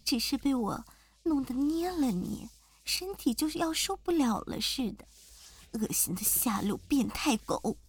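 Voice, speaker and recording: A woman's voice: sits high, expressive, breathy edge, heavily acted. A woman voicing a cruel, mocking young woman rival in an amateur audio role-play. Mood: threatening. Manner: mocking, drawn-out sneers.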